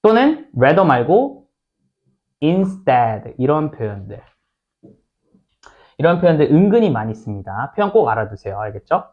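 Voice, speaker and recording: A man teaching a high school English lesson, speaking informally and animatedly and asking his students questions as he goes. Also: big pitch swings, unhurried, long pauses, phone-quality sound. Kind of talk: lecture explaining a textbook passage.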